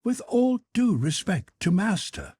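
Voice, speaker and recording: Guy doing a curious polite manservant in an audiobook, high voice, kinda swoopy. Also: big pitch swings, unhurried, a little mellow, slightly rough, full character voice. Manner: deferential, inquisitive. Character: deferential, curious male servant, higher-voiced and polite. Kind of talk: audiobook character dialogue.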